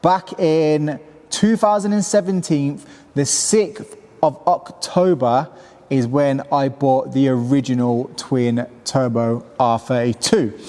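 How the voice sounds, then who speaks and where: A man talks at a very slow pace with very even loudness amid noticeable background noise. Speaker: car enthusiast YouTuber. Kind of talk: casual vlog monologue to camera. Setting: indoors recording to camera. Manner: casual, hesitant with fillers.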